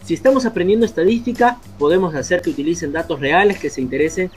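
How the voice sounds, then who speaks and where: Man on a video call, slightly high voice, faint music behind, steady listing tone. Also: quick pace. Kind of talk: explanatory talk on a video call.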